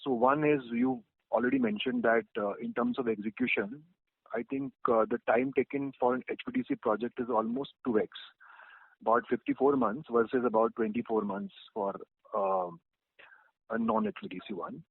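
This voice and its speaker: A man's voice: medium pitch, moderate pace, gravelly, husky, no room sound. A male analyst asking probing, polite questions on an earnings call. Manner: polite, probing, lively intonation. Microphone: phone line. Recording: dry tinny phone line.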